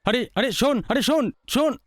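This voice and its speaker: A man's voice: very high voice, fairly quick, a little hiss or hum. An actor playing an impatient young man who presses a friend to meet him, in film dialogue. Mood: insistent. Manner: insistent, coaxing. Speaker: film character.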